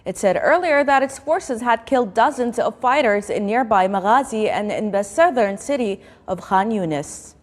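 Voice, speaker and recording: A woman's voice: fairly high pitch, animated, normal speed, few pauses, in a large hall. A woman news presenter reading a formal, scripted news bulletin.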